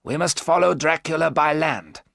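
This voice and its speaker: A man's voice: on the high side, creaky, fairly bright tone, no room sound, clean studio sound, voice pushed up. A man voicing a wise old professor. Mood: firm. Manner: measured, explaining, firm. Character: older male professor, wise and firm.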